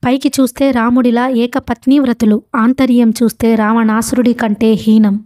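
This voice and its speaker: Young man, angry, accusing, voiced by a woman, mellow tone. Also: on the high side, little pitch movement, moderate pace, close to an everyday voice.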